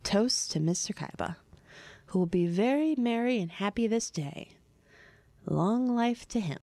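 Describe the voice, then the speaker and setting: A woman's voice: medium pitch, lively intonation, measured pace, warm tone, dry recording, clean studio sound. A woman playing an indignant, sarcastic spouse at a family dinner in a fan audio drama. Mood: grudging.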